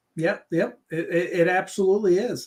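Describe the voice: A man with a high-pitched voice talks at a moderate pace, his slightly mellow tone carrying a slightly husky edge and ordinary pitch variation.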